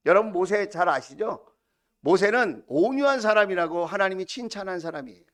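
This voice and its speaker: A male pastor preaching a sermon, animated, full of rhetorical questions and acted-out quotes. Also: sits high, brisk. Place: church sanctuary.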